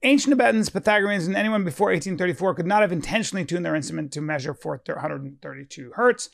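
A man's voice: high-pitched, racing, gravelly, no echo, clean studio sound. A man in casual chat, telling stories bluntly, with swearing and many restarts. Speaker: podcast co-host.

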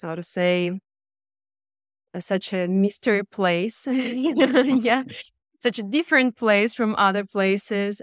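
A woman's voice: mid-range voice, no room sound, clean studio sound. A woman with a Russian accent, a language teacher chatting as a podcast guest, often dropping in "yeah". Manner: chatty, fills pauses with frequent "yeah". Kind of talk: conversational podcast interview.

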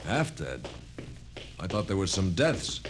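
A man's voice: sits low, big pitch swings, slow pace, exaggerated voice. A man playing an inquisitive, skeptical newspaper reporter in a 1950s radio drama, conversational and questioning. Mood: curious. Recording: noisy old 1950s radio recording.

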